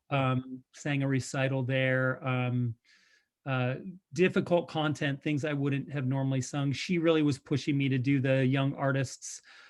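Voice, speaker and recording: At a fairly slow pace, a man speaks with monotone, flat intonation. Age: 50s. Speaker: singer. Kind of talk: interview. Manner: halting, many fillers.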